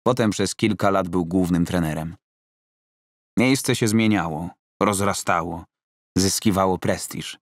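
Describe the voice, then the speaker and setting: A man's voice: deep voice, no echo. A man reading fiction as an audiobook narrator, close to a studio microphone.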